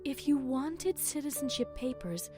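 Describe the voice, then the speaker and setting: A woman playing a calm pony princess, measured, patient and gently wry, in an audio fan story. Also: sits high, over music. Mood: patient, explaining.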